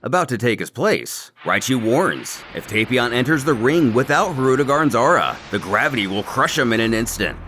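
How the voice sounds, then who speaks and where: A man's voice: mid-range voice, very animated, moderate pace, few pauses, bright, forceful tone, slight background noise. A man giving a scripted story narration in a wry, playful, dramatic way. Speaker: narrator of a comic recap series. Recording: music under the voice. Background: background music.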